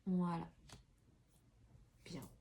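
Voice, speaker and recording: A woman's voice: fairly low pitch, extremely slow, creaky, warm tone. A woman reading oracle cards in a casual, chatty way, full of fillers and restarts, in a room with an open window. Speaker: tarot card reader. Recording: faint street noise through window.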